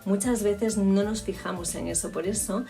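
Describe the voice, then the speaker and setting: Creaky-voiced woman coaching speech. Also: medium pitch, fairly even intonation, normal speed, warm tone, recorded from a distance, faint music behind. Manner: reflective, explanatory, with frequent restarts. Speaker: public speaking coach. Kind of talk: spoken lesson on communication.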